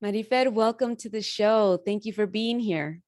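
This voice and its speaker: A woman's voice: medium pitch, moderate pace, very noisy. A woman hosting a podcast interview, gracious and effusive, asking long winding questions. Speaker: podcast host.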